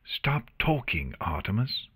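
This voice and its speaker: A man's voice: lowish voice, big pitch swings, slow pace, fairly bright tone, breathy edge, exaggerated voice. A man voicing a cheeky, chatty young female pony paladin in a fantasy audiobook, flippant and awkward. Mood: self-scolding.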